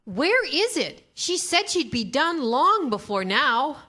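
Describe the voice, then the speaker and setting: A demanding, indignant lady boss acted by a woman in a staged comedy reading. The voice is bright and sharp, with slow, drawn-out dramatic delivery and wildly animated pitch. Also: exaggerated voice. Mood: impatient. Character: imperious, high-strung female boss, impatient and indignant.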